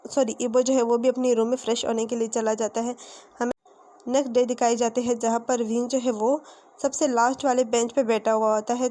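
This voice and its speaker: A woman narrates a fan fiction story in a relaxed, conversational way, stopping for fillers and fixing her own slips. Her voice sits a little high yet sounds soft and mellow.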